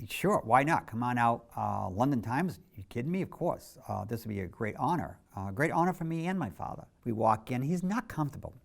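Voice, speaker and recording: Middle-aged guy with a gravelly voice, talking candid and reflective for a documentary. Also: mid-range voice, expressive, fairly quick, few pauses. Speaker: photographer. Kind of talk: documentary interview narration.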